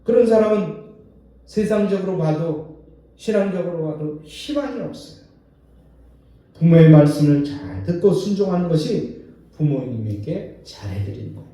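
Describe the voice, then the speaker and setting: A man preaching a sermon, swinging his pitch up and down and slipping into the voices of the people in his stories. His voice is dark and mellow, and it sits a bit high for a man. He is heard from a distance in a very echoey church hall. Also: moderate pace. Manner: animated preaching, acting out quoted voices. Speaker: pastor. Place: large church sanctuary.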